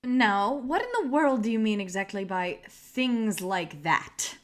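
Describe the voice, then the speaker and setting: A woman reading the part of a stern, impatient high school teacher, formal and authoritative, in a script table read. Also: expressive, unhurried, natural voice. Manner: formal, clipped classroom authority.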